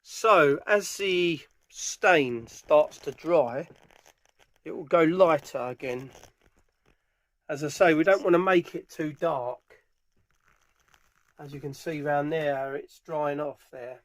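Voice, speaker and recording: A British furniture polisher gives a casual, hands-on how-to demonstration, informally explaining each step as he works. His voice is on the high side, slow, with frequent pauses, picked up by a tripod-mounted camera mic at varying distance.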